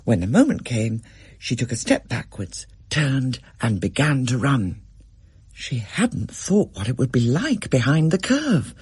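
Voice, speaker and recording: Husky, animated story reader, dry studio sound. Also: medium pitch, unhurried, no room sound. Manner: expressive, varied storytelling. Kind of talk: scripted story reading.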